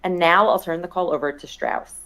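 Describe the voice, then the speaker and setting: A woman's voice: fairly low pitch, steady tone, fairly quick, a bit bright. A woman executive in investor relations, reading a formal scripted statement on an earnings conference call.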